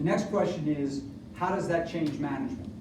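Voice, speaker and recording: An American man speaks at a moderate pace with ordinary pitch variation. Noticeable background noise and audible room echo are present. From US Northeast, Philadelphia. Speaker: cardiologist. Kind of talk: lecture with audience Q&A.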